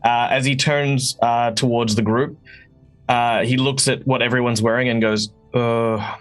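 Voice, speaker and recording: A man with a medium-pitched voice takes part in a tabletop role-playing game. He describes and improvises his character's part in hesitant, halting phrases over faint music. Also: fairly even intonation.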